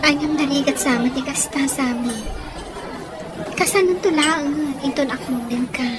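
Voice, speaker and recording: A woman's voice: high-pitched, moderate pace, close to an everyday voice. A woman with a Filipino accent playing a shy, polite young sweetheart in a radio drama. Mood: hesitant, earnest. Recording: noisy ambience behind the voice. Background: crowd-like ambient noise.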